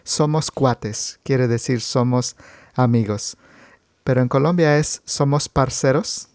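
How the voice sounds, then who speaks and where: A man's voice: medium pitch, slow, a little mellow, dry recording. A Mexican man hosting a Spanish lesson, explaining words for learners and laughing easily. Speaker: podcast host and Spanish teacher. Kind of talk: slow teaching conversation for learners.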